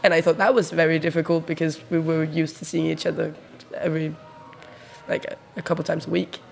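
A man's voice: a little high, little pitch movement, fairly quick, creaky. A man in a street interview telling a hesitant, rambling personal account.

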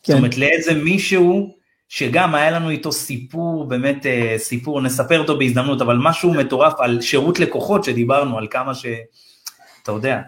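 A man from Israel's Ethiopian community, a real estate advisor, telling a story in a loose, slangy, animated way and acting out the dialogue. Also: medium pitch. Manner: animated, acts out quoted dialogue in raised voices; loose, slangy, addresses listener as bro. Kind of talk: casual storytelling in a podcast interview.

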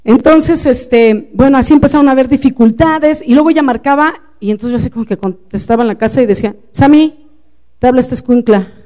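A woman's voice: high-pitched, fast, hardly any pauses, dark tone. A middle-aged woman with a Mexican accent telling a personal story to an audience of women, confiding and playful with asides to the listeners. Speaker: speaker addressing women. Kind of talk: storytelling talk.

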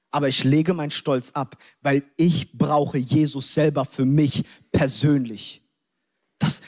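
A young adult male preacher from Germany delivers an animated sermon in a fairly high voice. He tells personal stories, acts out the scenes and sprinkles in English interjections.

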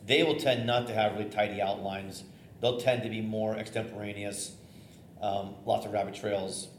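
A middle-aged man, a theater-trained bishop with a loud voice, teaching preachers in a conversational, energetic way with fillers and restarts. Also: lowish voice, moderate pace. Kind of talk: informal teaching talk on preaching. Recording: echoey room, faint noise.

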